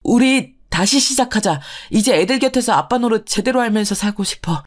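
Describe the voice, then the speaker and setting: A woman's voice: on the high side, lively intonation, fairly quick. Lady putting on a sweet-talking ex-husband, pleading to get back together, storybook reading. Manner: smooth, ingratiating pleading. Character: cheating ex-husband begging to reunite.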